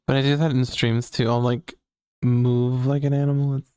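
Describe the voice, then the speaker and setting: A woman's voice: rumbling low, normal speed, smooth, no echo, studio quality. A trans woman co-hosting a casual podcast, chatty and giggly, tired and working on a feminine voice. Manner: giggly, laughs often, animated. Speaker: podcast co-host and streamer. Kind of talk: casual chat.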